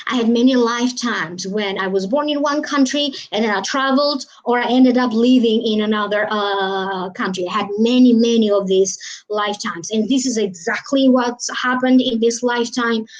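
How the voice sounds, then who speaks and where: A woman hosts a casual live stream as a psychic reader. She rambles, fills her pauses with "uh," and lets her sentences trail off. Her voice sits high, and the stream audio sounds dull and muffled. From Albania. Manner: rambling, many fillers and trailing phrases.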